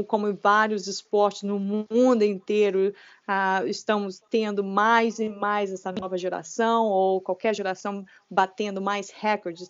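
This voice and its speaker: A Brazilian woman in her late forties with a Brazilian Portuguese accent, a trail runner talking as a guest. She speaks in animated bursts with many restarts. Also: medium pitch, dry recording. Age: late 40s. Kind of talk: casual interview conversation. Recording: dull lo-fi podcast audio.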